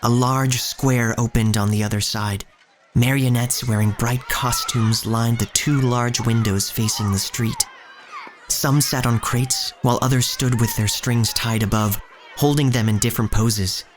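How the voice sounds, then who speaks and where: A man plays a young street thief recounting his story in an audio drama. The voice sits at a middle pitch and stays watchful and wary. Music runs softly underneath the scripted narration. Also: steady tone, a little slow, natural voice. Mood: descriptive. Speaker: narrator and lead actor.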